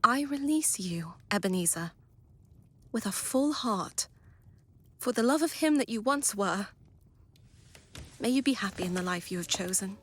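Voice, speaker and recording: A woman playing a sorrowful but resolute young fiancée in an audio drama, measured, earnest and formal. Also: medium pitch, expressive, a little hiss or hum, lightly acted. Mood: tender resignation.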